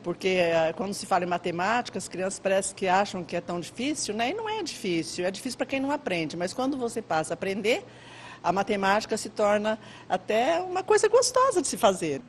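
Older Brazilian woman, very lively intonation. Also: medium pitch, quick pace, a little hiss or hum. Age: 60s. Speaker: maths project educator. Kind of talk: interview answers. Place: classroom. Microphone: handheld interview microphone.

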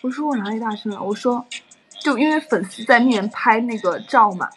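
A woman's voice: fairly high pitch, expressive, a little fast, fairly bright tone, soft background music. A young adult woman chatting casually on a livestream and telling stories animatedly with frequent laughs.

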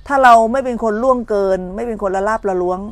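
Woman giving a calm dharma talk. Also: a little high, quick pace, no echo. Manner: storytelling, acts out complaining voices, checks listeners understand. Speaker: meditation teacher.

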